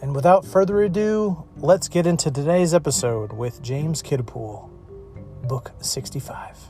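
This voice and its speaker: A man's voice: on the high side, measured pace, dark tone, soft background music. A man hosting a casual interview podcast, talking in an upbeat, chatty, joking way. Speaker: podcast host.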